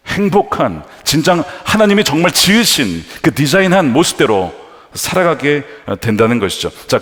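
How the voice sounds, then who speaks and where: A man's voice: mid-range voice, a bit bright. A male pastor preaching a sermon with emphasis, posing questions to the congregation in a large church. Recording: long church-hall reverb.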